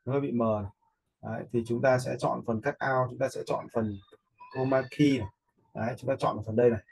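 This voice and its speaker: A man giving an informal step-by-step software tutorial as an instructor, often checking that viewers follow. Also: medium pitch, fairly even intonation, fairly quick, creaky, a little hiss or hum, low-quality recording. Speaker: video editing instructor.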